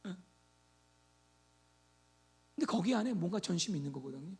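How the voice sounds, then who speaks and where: A man preaching a sermon as pastor, animated, swinging between loud exhortation and quiet asides. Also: high-pitched, moderate pace.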